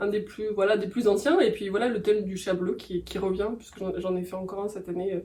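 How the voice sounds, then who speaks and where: Against noticeable background noise, a woman speaks at a very fast pace with hardly any pauses and a medium pitch. Her intonation is monotone and flat, while her loudness swings widely. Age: 40s. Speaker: painter, former corporate lawyer. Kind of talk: interview. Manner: hesitant, many fillers.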